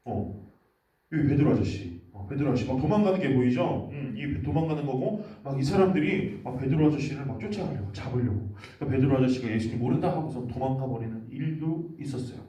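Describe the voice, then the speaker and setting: A man's voice: mid-range voice, lively intonation, fast talker, warm tone, roomy sound, far from the mic, lo-fi sound. A man giving a children's sermon, telling a story and quizzing the kids with questions. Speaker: children's ministry preacher.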